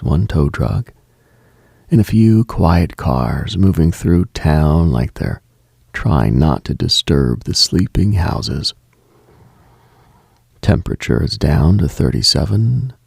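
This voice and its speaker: A man hosting a late-night radio show, speaking a slow reflective monologue in a hushed, half-whispered delivery. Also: sits low, creaky, slightly rough, dry recording, clean studio sound.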